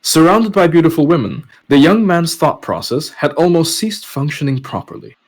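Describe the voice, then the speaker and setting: A man's voice: fairly high pitch, lively intonation, normal speed. A man narrating a web novel chapter as a podcast host, reading scripted prose aloud. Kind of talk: story narration with casual asides.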